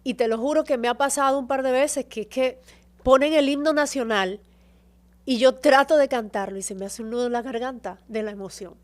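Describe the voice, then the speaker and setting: A woman telling stories as a podcast guest, warm and expressive about her career and her home country. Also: sits high, fairly quick. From Dominican Republic. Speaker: guest, actress and TV presenter. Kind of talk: casual interview chat.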